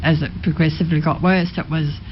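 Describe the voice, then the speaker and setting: Woman, studio guest, low voice, halting and soft, dull lo-fi sound. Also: fairly even intonation, a little hiss or hum. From Sydney, Australia. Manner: hesitant, many ums, soft-spoken. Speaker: interview guest. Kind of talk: personal testimony. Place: radio studio.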